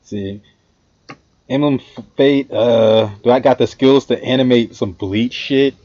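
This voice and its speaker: A man's voice: mid-range voice, a little slow, warm tone, dull audio. A man casually chatting with his viewers while reacting to a video, rambling, swearing freely and talking to the chat.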